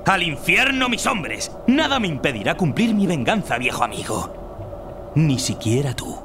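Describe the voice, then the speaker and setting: A young warrior prince in a video game, proud and vengeful. He speaks with intense, defiant drama and lively intonation. The cutscene audio is noisy. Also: a little high, measured pace. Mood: defiant, fervent. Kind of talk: video game character acting.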